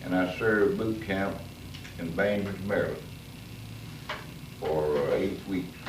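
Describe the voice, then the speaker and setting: A man with an American accent speaks at a fairly slow pace in a fairly low voice, leaving long, frequent pauses over noticeable background noise. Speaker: war veteran. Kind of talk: interview answer. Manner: old.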